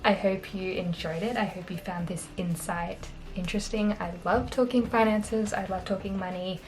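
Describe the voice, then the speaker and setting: A young Australian woman in her twenties, chatting casually on camera in a small bedroom, upbeat and quick to laugh. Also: medium pitch, fairly even intonation, a little mellow, poor audio. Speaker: vlogger. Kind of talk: casual talking-head finance vlog.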